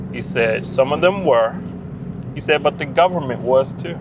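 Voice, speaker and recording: Against noticeable background noise, a man speaks at a fairly high pitch and a moderate pace. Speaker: physical therapist assistant. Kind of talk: casual talk to camera. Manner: casual, conversational.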